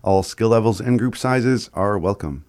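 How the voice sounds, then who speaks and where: A man's voice: lowish voice, normal speed, darkish tone, dry recording. A man with an Indigenous Canadian reservation accent reading community announcements in an informal way, with the odd stumble.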